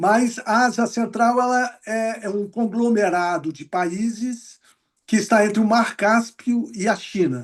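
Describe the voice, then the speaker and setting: A man talks very slowly over a quiet background. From Rio de Janeiro, Brazil. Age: 70s. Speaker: photographer and travel guide. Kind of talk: lecture. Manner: halting.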